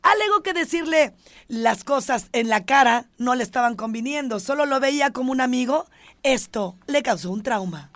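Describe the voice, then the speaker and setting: A woman's voice: sits high, lively intonation, moderate pace, fairly bright tone, no room sound. Playful mexican woman gossiping. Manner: playful, teasing, slangy. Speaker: podcast co-host. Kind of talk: casual gossip chat.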